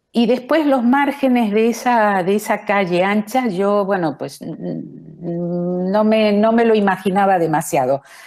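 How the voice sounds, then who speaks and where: Ordinary pitch variation and a fairly slow pace in a woman's medium-pitched voice. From Argentina, Greater Buenos Aires. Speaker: literary translator. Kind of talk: talk at a panel discussion. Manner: halting, with many repetitions and fillers.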